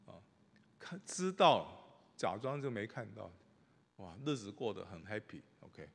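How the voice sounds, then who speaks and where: A middle-aged man, a pastor, preaching a sermon with animated storytelling, swinging from loud bursts to hushed asides. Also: fairly low pitch, measured pace, gravelly. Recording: long reverb of a large hall.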